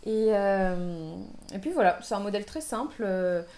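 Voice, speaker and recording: A woman's voice: medium pitch, expressive, normal speed, dark tone, slight background noise. A woman hosting a knitting podcast, talking casually with lots of fillers and restarts. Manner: hesitant, many fillers and restarts. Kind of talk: casual chat.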